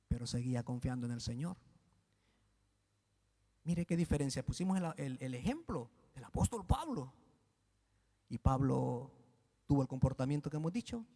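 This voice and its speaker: High-voiced animated preacher man. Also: long reverb tail. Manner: animated, joking with the congregation. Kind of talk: sermon. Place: church.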